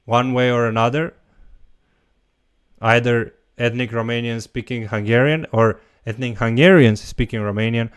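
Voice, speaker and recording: Answering viewers' questions on a relaxed livestream, this language teacher talks loosely and thinks out loud. His mid-range voice is smooth, recorded with clean studio sound and no echo.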